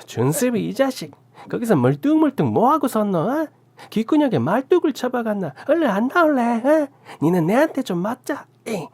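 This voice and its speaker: A woman's voice: low-pitched, huge pitch swings, husky, pitched above the performer's own voice, exaggerated voice. A woman voicing a tiny, hunched old aunt with a Gyeongsang accent who scolds and curses fiercely. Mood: ranting. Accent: Gyeongsang Korean. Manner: scolding, cursing, drawn-out shouts.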